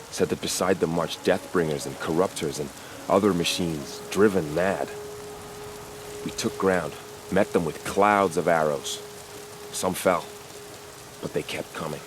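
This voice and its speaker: A man playing an earnest, battle-weary young tribal warrior in a video game, solemn and deliberate. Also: sits low, background noise. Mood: somber. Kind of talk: video game cutscene acting.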